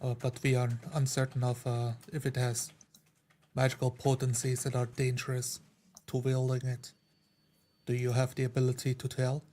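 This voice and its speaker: A man playing a tabletop roleplay game, speaking in character in a measured, deliberate and rather formal way. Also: mid-range voice, monotone, warm tone.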